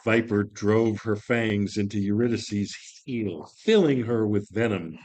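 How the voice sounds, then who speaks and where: A man narrating a play reading in a measured, expressive storytelling style. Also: lowish voice.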